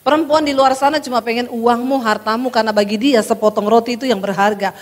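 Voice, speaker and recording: A woman's voice: fairly high pitch, fairly even intonation, quick pace, long reverb tail. A woman pastor preaching a sermon and telling her own testimony, speaking emphatically to the congregation. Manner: addresses the congregation as "saudara", emphatic and dramatic.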